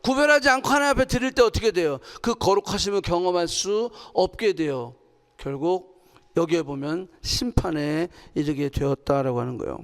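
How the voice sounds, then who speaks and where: A woman's voice: lowish voice, normal speed. A woman pastor giving a sermon, questioning her congregation and acting out quotes with energy. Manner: animated, asks the congregation questions and acts out quotes. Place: church sanctuary. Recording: long hall reverb.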